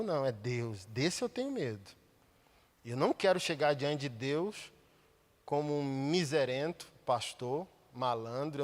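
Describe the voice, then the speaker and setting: A Brazilian Portuguese-accented man preaching a sermon as a pastor, colloquial and impassioned, with sudden loud outbursts. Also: medium pitch, big-room sound.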